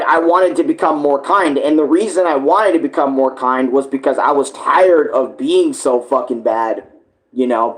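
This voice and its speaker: A medium-pitched man, heard through poor audio, does casual live reaction commentary as a streamer. He rambles bluntly and informally, swearing heavily.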